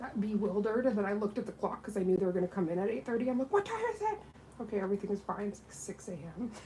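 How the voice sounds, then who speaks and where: A woman at a very fast pace and medium pitch, ordinary pitch variation, amid noticeable background noise. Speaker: nail technician. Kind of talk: casual chat while working. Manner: chatty, filler-heavy.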